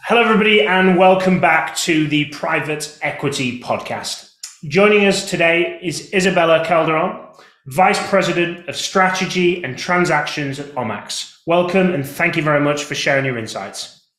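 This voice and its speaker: A man's voice: a little high, moderate pace, a bit bright, reverberant. A man hosting a business podcast, welcoming a guest and asking questions in an upbeat, affirming way. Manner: upbeat, affirming, "makes sense" and "absolutely". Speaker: podcast host.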